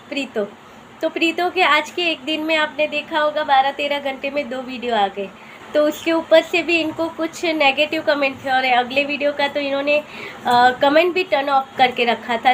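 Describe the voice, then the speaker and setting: A woman's voice: high voice, a bit bright, slight background noise. A woman vlogger giving chatty, gossipy commentary on other vloggers, talking straight to her viewers. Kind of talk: casual commentary vlog.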